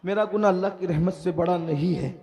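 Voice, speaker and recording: A man preaching voices a young grave robber confessing in tears, his voice dropped low and pleading. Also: fairly quick, mellow. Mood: pleading remorse. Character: weeping young male grave robber, deeply ashamed.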